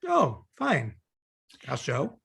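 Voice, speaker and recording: Actor playing a wry, gravelly divorcing man. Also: mid-range voice, wildly swooping pitch, extremely slow, a bit bright, full character voice. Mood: awkward, downcast. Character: Harry, wry, morbidly joking, newly divorcing male consultant. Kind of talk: table read of romantic comedy film script.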